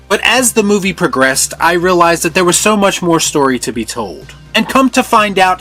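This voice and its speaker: A man's voice: high-pitched, sharp tone. A man hosting a video film review with scripted commentary. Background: background music.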